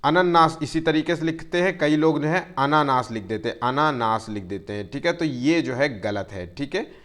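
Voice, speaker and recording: A man teaching a Hindi grammar exam-prep lesson, constantly using fillers, checking in with his students and drawing words out slowly to spell them. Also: medium pitch, animated. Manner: tells students to take care and keeps checking "theek hai".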